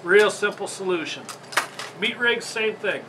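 A man's voice: high-pitched, lively intonation, a little slow, noisy background. Stuffy-nosed Michigan man chatting. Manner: chatty, rambling, apologetic. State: congested from a sinus infection. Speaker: fishing channel host. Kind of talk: casual how-to video. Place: indoor tackle workshop.

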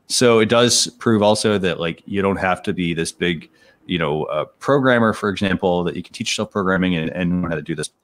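A man's voice: sits low, a little fast. A man hosting a casual live-streamed talk show over a video call, rambling and leaning hard on "you know" fillers.

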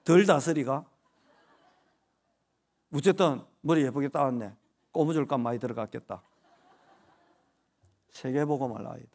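A man's voice: mid-range voice, a little slow, vocal fry, long pauses, a little mellow. A man in his forties with a Gyeongsang accent, preaching a sermon in a church and joking with the children in the pews. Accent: Gyeongsang Korean. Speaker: pastor. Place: church sanctuary during worship.

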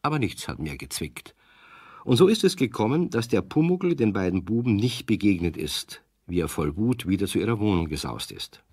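A man's voice: lowish voice, sing-song, moderate pace, a little mellow, husky, no echo, full character voice. A man acting as the storyteller of a children's radio play, narrating a scripted tale. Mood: storytelling.

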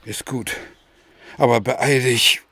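A man's voice: mid-range voice, fairly even intonation, slow pace, creaky, background noise. Uneasy, earnest family father. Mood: worried, caring. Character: anxious company boss, husband and father. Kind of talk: German audio drama acting.

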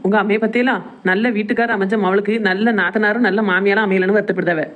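Woman voicing a sharp-tongued young wife. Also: medium pitch, fairly even intonation, fast, lo-fi sound, natural voice. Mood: scolding. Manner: sharp, sarcastic.

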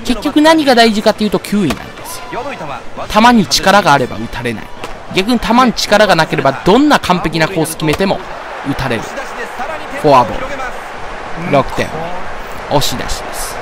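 A man commenting on his own game play in an excitable, ranting, sarcastic way. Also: high voice, brisk. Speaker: gaming video host. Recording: game crowd noise behind.

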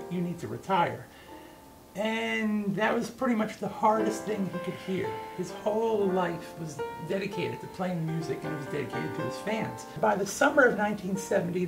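A man's voice: sits high, vocal fry, far from the mic, low-quality recording. A man in his thirties, an archivist, eagerly explaining and telling stories in an interview. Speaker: archivist and guide. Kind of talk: enthusiastic storytelling interview. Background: music.

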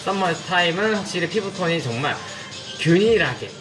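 A young man explains things politely to a customer as a beauty consultant, his voice slightly muffled by a mask. His voice is on the high side with lively intonation, and music plays behind him. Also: normal speed. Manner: polite customer-service speech. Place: small indoor beauty consultation booth.

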